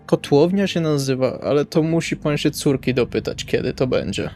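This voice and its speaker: A man's voice: a little high, animated, normal speed, a little mellow, soft background music. Man playing hesitant, courteous musician Salvi. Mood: polite, awkward. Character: Salvi, polite, awkward musician friend of the daughter.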